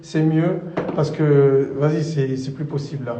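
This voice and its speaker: A man's voice: on the high side, fairly even intonation, unhurried, background noise. A man in a casual argument with a neighbour, protesting in slangy, repetitive phrases. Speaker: neighbour being complained to. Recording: echoey room.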